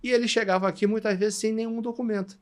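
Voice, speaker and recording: A man's voice: sits high, steady tone, fast talker. A middle-aged Brazilian man, a citizenship consultant, patiently explaining things in a podcast interview and checking that he is understood. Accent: Brazilian Portuguese. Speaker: Italian citizenship consultant, guest.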